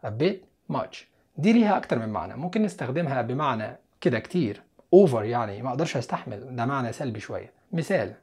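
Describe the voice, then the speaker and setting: A man's voice: medium pitch, slightly rough. Egyptian man teaching English. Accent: Egyptian Arabic. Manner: lively, asks the listener questions and answers them himself; repeats English example sentences slowly. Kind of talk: explanatory lesson.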